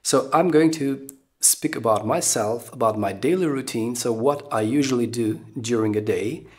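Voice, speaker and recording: A man in his forties from the Eastern Balkans with an Albanian accent, giving an English lesson straight to camera. He talks haltingly, with many ums and uhs, and keeps checking in with "okay?". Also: medium pitch, darkish tone. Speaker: English teacher. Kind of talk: talking-head lesson to camera. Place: small room indoors. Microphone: camera close up at face level.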